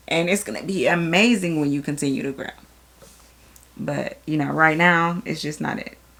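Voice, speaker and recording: Noticeable background noise surrounds this woman. She speaks at a moderate pace with a fairly low pitch. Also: ordinary pitch variation. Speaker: podcast co-host. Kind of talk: casual chat.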